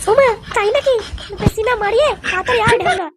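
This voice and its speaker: Cartoon temptress: extremely high, childlike pitch, quick, impatient, faint noise. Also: female voice. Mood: coaxing. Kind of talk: comic cartoon dubbing.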